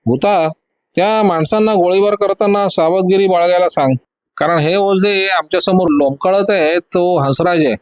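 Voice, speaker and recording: A man voicing a calm, confident male hero who teases his enemies in a storybook reading. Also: high-pitched, moderate pace, smooth, dry recording, pitched above the performer's own voice, lightly acted. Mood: cool.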